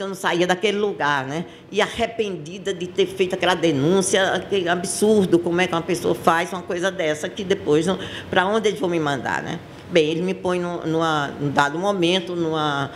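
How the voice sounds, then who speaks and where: Older Brazilian woman witness, halting and impassioned, faint hum in the auditorium. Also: on the low side. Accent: Brazilian Portuguese. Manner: impassioned, halting, with many restarts. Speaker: witness testifying at a public hearing. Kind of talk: personal testimony. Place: public auditorium.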